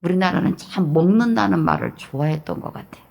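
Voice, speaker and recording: A woman pastor with a Jeolla Korean accent, preaching an early-morning sermon in an emphatic, repetitive way with hushed asides. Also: fairly low pitch, brisk, vocal fry.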